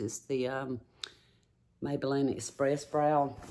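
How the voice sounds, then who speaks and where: A woman's voice over noticeable background noise. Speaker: makeup vlogger. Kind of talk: casual vlog chat. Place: home room. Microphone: phone near.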